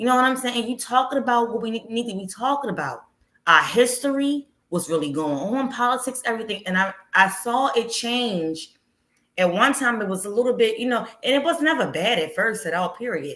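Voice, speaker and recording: Her voice is fairly high, with a bright, sharp tone and lively intonation. The woman speaks at a fairly quick pace. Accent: Baltimore. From Baltimore, US. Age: 40s. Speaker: caller. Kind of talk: casual chat.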